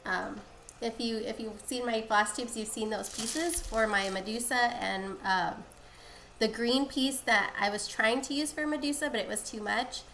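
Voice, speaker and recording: A woman streamer with a higher voice, sounding stuffed-up and nasal from a lingering cold. She explains her crafting steps in a chatty, meandering way. The room is echoey, with a faint hiss behind her. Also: unhurried, fairly bright tone. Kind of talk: casual live-stream dyeing tutorial.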